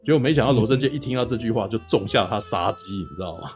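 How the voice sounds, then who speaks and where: A man hosting a podcast, recapping a plot in a chatty, animated way and often asking "you know?". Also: on the low side, racing, slightly rough, faint music behind. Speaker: podcast host.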